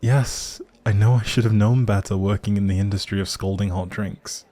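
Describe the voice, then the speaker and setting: A man's voice: lowish voice, fairly even intonation, normal speed, warm tone, lightly acted. A man playing a grumpy but secretly sweet young barista in an intimate audio roleplay, speaking straight to the listener in a teasing, wry, bookish way. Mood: prickly, defensive. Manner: teasing, wry, hesitant asides.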